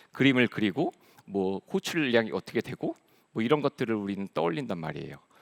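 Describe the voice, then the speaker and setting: Over a silent background in a very clean, dry, close recording with no echo, a man talks at a fairly quick pace with very wide pitch swings. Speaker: conference speaker, cloud engineer. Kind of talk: conference talk. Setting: stage with audience. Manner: fast.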